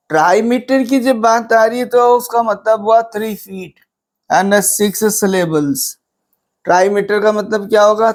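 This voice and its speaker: An Indian male English teacher giving a lecture, explaining step by step, asking his own questions and answering them, and slowing down on English phrases. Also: high-pitched. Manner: slows right down on English phrases, mixing Hindi and English. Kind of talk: classroom lecture on a poem.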